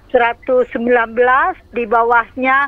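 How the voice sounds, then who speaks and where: A woman with a high voice speaks at a fairly slow pace against noticeable background noise. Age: 70s. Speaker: caller. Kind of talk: call-in question. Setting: phone call.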